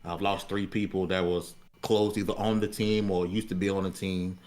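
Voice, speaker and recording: A man's voice: sits low, little pitch movement, moderate pace, a little mellow. An American man hosting a podcast in casual, unscripted, colloquial talk, often repeating words as he searches for phrasing. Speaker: podcast host.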